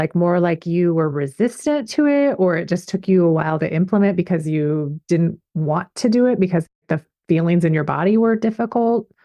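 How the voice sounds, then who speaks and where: Here is a woman with an unremarkable speaking voice and a fairly low pitch. Her intonation is lively while her loudness stays very even. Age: 40s. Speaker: podcast host and business coach. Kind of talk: interview.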